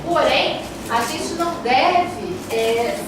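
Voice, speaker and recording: A Brazilian woman lectures a class in a high voice. She is didactic and repeats key phrases to drive them home. The recording is very echoey and noisy, picked up from a distance. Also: expressive, slow pace. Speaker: teacher of a preaching class.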